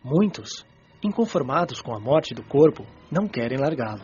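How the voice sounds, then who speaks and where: A man playing a calm, wise spirit guide in a radio drama, explaining things in a composed, didactic way. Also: mid-range voice, moderate pace, slightly rough, lo-fi sound. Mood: calm, instructive. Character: calm, wise male spirit mentor, kindly instructive. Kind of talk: scripted radio drama dialogue. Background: music.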